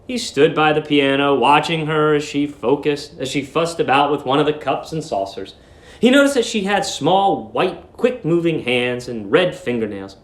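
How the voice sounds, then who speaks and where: A man's voice: on the high side, lively intonation, normal speed. A man narrating in a dramatic storybook reading style. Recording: roomy echo.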